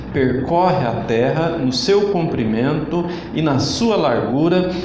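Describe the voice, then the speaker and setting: Slow, emphatic Brazilian preacher man. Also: fairly high pitch, darkish tone, roomy sound, slight background noise, low-quality recording. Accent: Brazilian Portuguese. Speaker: church leader preaching. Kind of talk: online sermon. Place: church hall.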